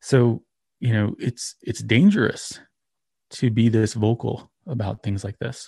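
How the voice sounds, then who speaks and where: A man speaks at a medium pitch in a dark, mellow tone that is somewhat breathy. The background is quiet. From New Mexico. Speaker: podcast host and victim advocate. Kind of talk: interview testimony.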